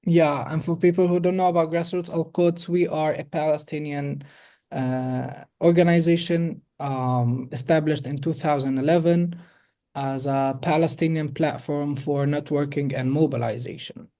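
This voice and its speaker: A young man from Jerusalem speaks as a podcast guest over a video call, with a mellow, warm voice. He explains things in a measured way, stopping often on "uh" and "um". His delivery is steady and unhurried. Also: on the high side. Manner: hesitant, many fillers, measured explanation. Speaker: guest, executive director of an organization. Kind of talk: podcast interview.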